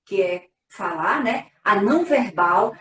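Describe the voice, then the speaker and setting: A woman's voice: medium pitch, animated, slow, bright, forceful tone, recorded from a distance. A woman, a pastor, explaining earnestly in a casual church live talk, often ending phrases with a tag question. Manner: earnest, explanatory, frequent "né?" tags. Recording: echoey room, voice from afar.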